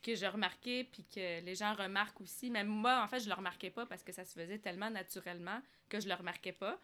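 A woman's voice: mid-range voice, fast, pushed and bright. A woman from Algeria chatting casually as a podcast guest, telling personal stories. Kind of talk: casual conversational storytelling.

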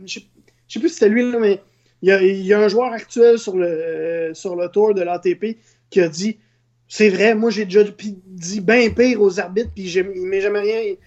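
A woman's voice: mid-range voice, warm tone. A woman with a Quebec French accent giving opinions in a casual discussion, emphatically, point by point, restarting as she goes. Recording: dull, muffled lo-fi sound.

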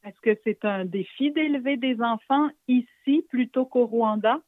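A woman interviewer who asks slow, gentle, encouraging questions. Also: fairly high pitch, a little hiss or hum. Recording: dry phone-line audio.

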